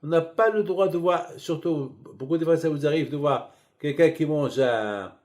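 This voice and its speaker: A middle-aged man delivers a rabbi's sermon, his voice sitting fairly high. He tells stories in an animated, colloquial way that keeps shifting between softer asides and emphatic bursts. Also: moderate pace.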